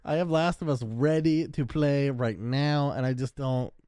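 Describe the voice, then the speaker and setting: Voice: medium pitch, measured pace, mellow, smooth, no room sound, clean studio sound. A co-host of a gaming podcast chatting casually in a laid-back, hedging way with lots of fillers.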